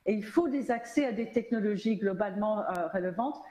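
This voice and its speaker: A woman's voice: mid-range voice, expressive, brisk, warm tone. Emphatic American-born woman, echoey hall. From United States. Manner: emphatic, many restarts, English words mixed in. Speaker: media analyst panelist. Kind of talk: panel discussion. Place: auditorium stage.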